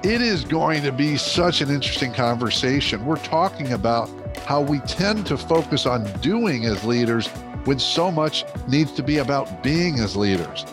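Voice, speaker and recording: A man works as a podcast host, presenting in a mid-pitched voice. He introduces the show and guest, with music audible in the recording. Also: expressive, normal speed.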